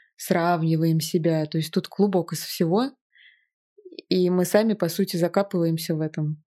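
Against a silent background in a very clean recording, a woman talks at a moderate pace with a dark, mellow tone, fairly low pitch, and fairly even intonation. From Moscow, Russia. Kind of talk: casual interview. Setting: at her home.

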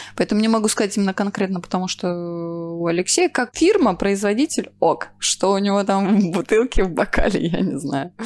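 A woman's unremarkable speaking voice at medium pitch, ordinary pitch variation, a moderate pace and hardly any pauses. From Transnistria, Moldova. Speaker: sommelier and travel guide. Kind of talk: casual chat.

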